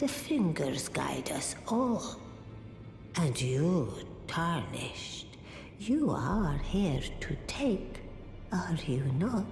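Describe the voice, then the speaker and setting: Using a put-on character voice at a middle pitch, the speaker goes at a very slow pace with long, frequent pauses and a slight echo. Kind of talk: fantasy game dialogue. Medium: video game. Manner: cryptic, measured.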